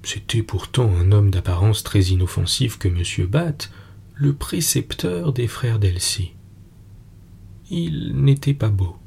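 A man narrating a classic fairy tale in French, measured and unhurried. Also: fairly low pitch, lively intonation, creaky, a little mellow, breathy edge.

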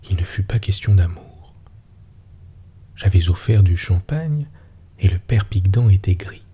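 A man reads a story in a breathy, husky near-whisper. His voice is low and dark, and he takes his time over every line. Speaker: narrator.

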